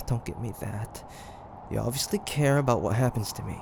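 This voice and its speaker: A man playing a grumpy, flustered demon hunter who secretly cares, speaking in a halting, defensive way in a roleplay audio drama. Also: mid-range voice, gravelly, noisy background, lightly acted.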